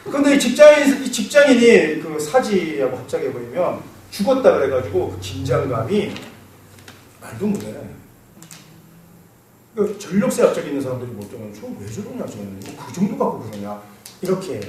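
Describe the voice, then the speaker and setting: Animated male lecturer in echoey room. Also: a little high. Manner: animated, asks students questions, laughs. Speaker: saju lecturer. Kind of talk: classroom lecture. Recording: roomy echo, mic far off, faint noise.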